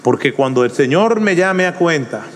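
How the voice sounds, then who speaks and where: A man preaching a sermon with impassioned fervor, his delivery swelling into shouted pleas. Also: fairly high pitch, expressive, moderate pace. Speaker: pastor. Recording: long reverb of a large hall.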